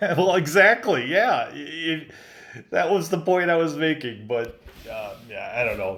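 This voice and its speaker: Man with an American accent and very wide pitch swings over noticeable background noise. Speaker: vlogger, truck driver. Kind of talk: reading aloud comments with casual commentary. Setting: at home. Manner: slightly slurred speech; halting.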